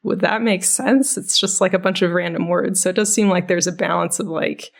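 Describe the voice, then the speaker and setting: A woman's voice: on the low side, brisk, creaky. A woman co-hosting a podcast, speaking in an informal, conversational way. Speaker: podcast co-host, technical writer. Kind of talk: casual podcast chat.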